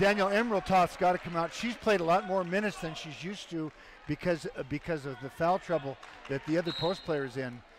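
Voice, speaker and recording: Amid noticeable background noise, a man with a high pitch and ordinary pitch variation talks at a fairly quick pace, the sound dry with no echo. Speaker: color commentator, former coach. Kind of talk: radio color analysis, conversational. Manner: measured, analytical. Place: stadium. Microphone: headset.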